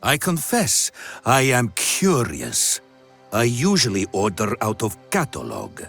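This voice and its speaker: Gravelly, slow, deadpan mercenary. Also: male voice, mid-range voice, faint music behind, full character voice. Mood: dry curiosity. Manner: deliberate, deadpan, formal. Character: dry, slow, gravelly male mercenary, unimpressed and fussy. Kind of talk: video game character acting.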